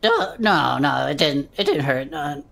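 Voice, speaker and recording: A woman's voice: deep voice, wildly swooping pitch, a little slow, vocal fry, a bit bright, full character voice. A woman voicing an easygoing male adventurer with slangy, laid-back talk, in an audio drama.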